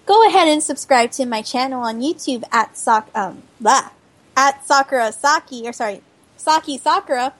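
A woman's voice: high-pitched, lively intonation, normal speed, a bit bright. A tired woman hosting a podcast, signing off in a chatty, rambling way. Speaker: podcast host. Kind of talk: casual chat.

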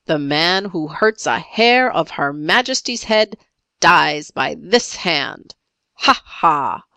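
A woman reader acts out a grandiose pirate chief in a storybook. The delivery is slow and solemn, with sweeping intonation. Each phrase is declaimed with lofty courtesy, in a close, dry sound. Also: sits low, lively intonation, pushed and bright, no echo, heavily acted. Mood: commanding. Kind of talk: storybook character voice.

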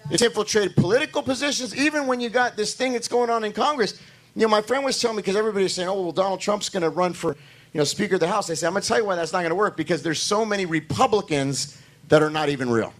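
Hoarse male pastor, high-pitched, repetitive and emphatic preaching style. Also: fast talker, fairly bright tone. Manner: talks to the congregation directly, asking for amens. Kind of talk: sermon.

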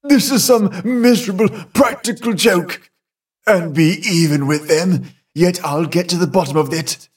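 A flustered elderly gentleman, head of a haunted household, as a male reader puts him on. He speaks slowly in a raised, husky voice, blustering and then ordering everyone about. The voice sits a little back from the mic. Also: high voice, distant mic. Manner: blustering, exclaiming, then commanding.

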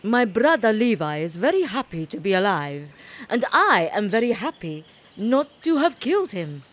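A woman voicing boastful, bickering gentleman twin brothers in a pompous manner. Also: mid-range voice, big pitch swings, normal speed, slight background noise, lightly acted.

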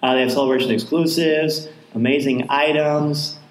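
A man's voice: medium pitch, fairly even intonation, moderate pace. A man hosting a live fan event, talking casually to guests and audience from a stage. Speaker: host of a live fan panel. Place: indoor convention stage before an audience. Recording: roomy live event space, background noise.

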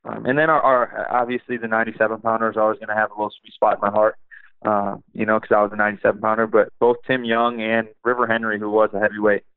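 A young man, an assistant wrestling coach, talking in a relaxed, rambling way with many fillers, in a podcast interview over a phone line. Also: lowish voice, fast talker, clear, resonant tone, no echo. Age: young adult.

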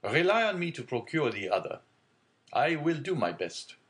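A man reading aloud and voicing a genial, fatherly older shipowner in a hearty, booming manner. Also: big pitch swings, normal speed, fairly bright tone. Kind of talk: audiobook character reading.

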